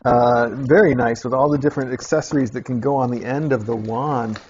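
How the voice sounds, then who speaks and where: Guy opening kitten mail, chatty, mid pitch, kinda lo-fi with a little hiss. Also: steady tone, a little fast, darkish tone. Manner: chatty, talks to kittens in a high coaxing voice. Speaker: channel host opening mail. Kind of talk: casual narration while unboxing. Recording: slightly dull lo-fi sound, faint noise.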